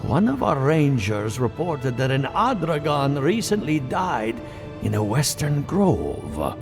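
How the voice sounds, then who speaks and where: An actor playing a courteous, preoccupied researcher in a fantasy game, speaking formally and articulately. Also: male voice, medium pitch, very animated, takes it slowly. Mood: thoughtful, instructive. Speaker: game character. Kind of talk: scripted video game dialogue. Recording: game music behind the voice.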